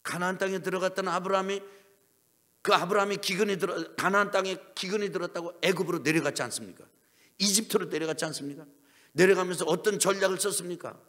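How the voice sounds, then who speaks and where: A man's voice: sits high, quick pace, a bit bright. A middle-aged male pastor preaching a sermon, acting out dialogue and leading the congregation in call-and-response.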